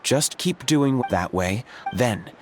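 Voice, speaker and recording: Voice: mid-range voice, expressive, slow. An actor playing a cool-headed young male tribal hunter in a video game, terse and matter-of-fact. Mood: cool, measured. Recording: game music behind the voice.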